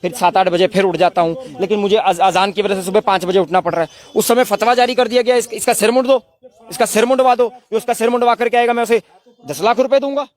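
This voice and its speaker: Man, high-pitched, emphatic, indignant, impassioned protest statement, rhetorical questions. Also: quick pace. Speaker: protest spokesman.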